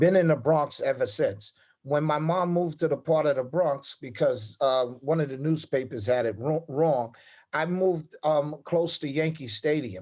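A man talks in a New York accent at a fairly high pitch. His pace is moderate, with ordinary pitch variation. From New York City (Harlem). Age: 50s. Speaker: city council candidate. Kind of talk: political debate. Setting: virtual town hall. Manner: halting, repeats words.

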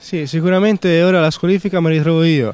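The speech moves at a very fast pace with fairly even intonation. The sound is dry with no echo. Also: man. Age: young. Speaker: young cyclist. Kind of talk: interview. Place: garden.

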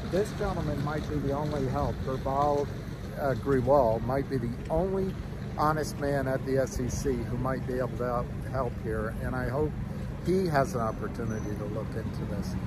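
Over loud background noise, a man speaks at a moderate pace with long, frequent pauses in a dry sound with no echo. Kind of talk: casual vlog chat. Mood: earnest, accusatory. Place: street. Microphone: phone near.

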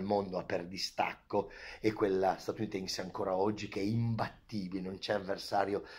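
A man's fairly low voice, an ordinary speaking voice, at a fairly quick pace with fairly even intonation. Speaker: teacher. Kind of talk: lecture. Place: classroom. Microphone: phone near.

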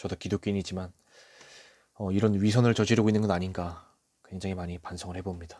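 A man with a very deep, low pitch and a dark, mellow tone speaks at a very fast pace in a monotone, flat intonation. His loudness swings widely, long pauses come often, and the recording is very clean with a silent background. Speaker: book reviewer. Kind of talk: monologue review.

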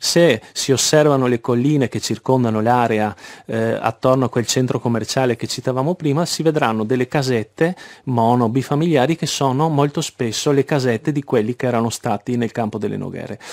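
At a fairly quick pace, a man speaks in an ordinary speaking voice of medium pitch with ordinary pitch variation, the sound dry and close with no echo. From Muggia, near Trieste, Italy. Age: 40s. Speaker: historian. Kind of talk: radio interview. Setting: studio.

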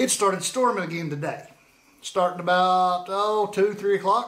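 The speaker is a man with a high-pitched voice. He talks at a moderate pace. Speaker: channel host. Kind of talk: casual vlog chat. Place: workshop. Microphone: phone near.

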